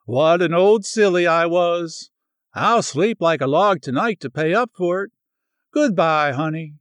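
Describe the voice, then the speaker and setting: A man's voice: fairly high pitch, animated, measured pace, fairly bright tone, smooth, no room sound, clean studio sound. A man voicing a talkative old rural woman who speaks in folksy dialect and rambles on. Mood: gushing. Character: chatty old rural countrywoman, warm-hearted.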